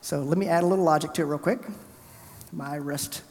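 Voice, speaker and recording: Tech speaker, male, from the US South: quick, chatty, a bit high-pitched, reverb from the conference hall. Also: slight background noise. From Alabama, US South. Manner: fast, energetic, chatty presenter narrating his screen. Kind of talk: live tech conference talk with coding demo.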